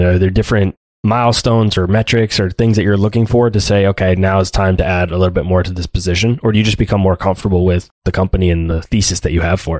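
A man speaks at a very fast pace with a very deep, low pitch. The sound is dry and close, with no echo. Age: 20s. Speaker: podcast host interviewing a guest. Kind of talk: casual interview.

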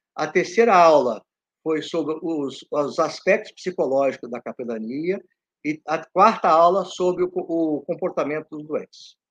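Against a quiet background, a man with an ordinary speaking voice and fairly high pitch talks at a fairly slow pace with ordinary pitch variation. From Brazil, Espírito Santo. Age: 60s. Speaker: pediatrician and hospital chaplaincy coordinator. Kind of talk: interview. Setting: live stream.

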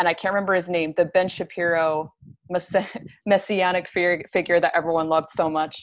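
A woman's voice at medium pitch with an American accent, fairly even intonation and a moderate pace. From Utah, US. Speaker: film critic. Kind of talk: casual chat.

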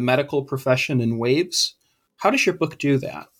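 A normal speaking voice, a man's, pitched fairly high and varying in an ordinary way. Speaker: podcast host. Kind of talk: interview, academic Q&A.

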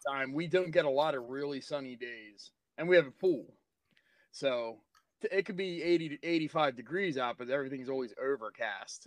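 At a moderate pace, a man with an ordinary speaking voice talks in an American accent at a fairly high pitch, with ordinary pitch variation. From Delaware, US. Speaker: record label owner. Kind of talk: casual chat.

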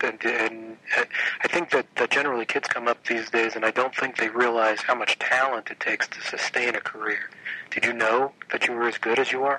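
Over noticeable background noise, a man talks at a fairly quick pace in a monotone, flat intonation, the sound dry and close with no echo. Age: 30s. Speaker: music journalist. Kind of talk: interview.

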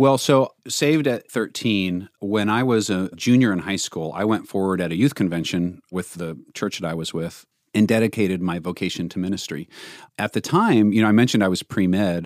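Here a man with a normal speaking voice talks at a moderate pace. His pitch is fairly low with ordinary variation, on a very clean recording with a silent background. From US, moved often growing up. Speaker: animator and children's show creator. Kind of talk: casual chat.

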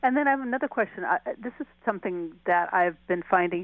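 Speaking in a normal speaking voice with an American accent, a woman talks at a fairly quick pace in a medium pitch with ordinary pitch variation. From Seattle, US Pacific Northwest. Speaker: caller. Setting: phone call.

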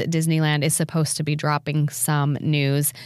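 The speech moves at a fairly slow pace in a very clean recording with a silent background. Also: woman. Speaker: podcast co-host. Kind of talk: casual chat.

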